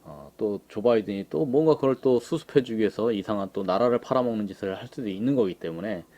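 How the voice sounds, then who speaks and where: Male commentator, conversational, unhurried, filler-heavy delivery. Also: lowish voice, warm tone. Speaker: political commentator. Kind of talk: casual commentary on images.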